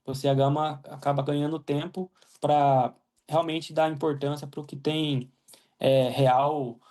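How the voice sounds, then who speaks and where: A man's voice: on the high side, little pitch movement, measured pace, mellow. A young Brazilian man from Mato Grosso, answering interview questions casually with lots of "né?" tags and restarts. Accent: Brazilian Portuguese. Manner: many fillers and "né?" tags, restarts. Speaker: guest, agronomist living in Ireland.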